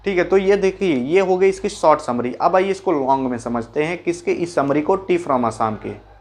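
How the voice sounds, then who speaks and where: A man explaining a school chapter in a casual, folksy way, repeating key points as quick questions and answers. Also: fairly high pitch, animated, a little mellow. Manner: folksy, calls listeners brother and mimics sounds. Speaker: teacher.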